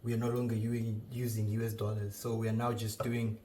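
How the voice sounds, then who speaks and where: A man's voice: lowish voice, fairly quick, a little hiss or hum. A young man from Zimbabwe, a chef telling his story in a casual interview, joking and restarting his sentences. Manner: relaxed, joking, restarts often.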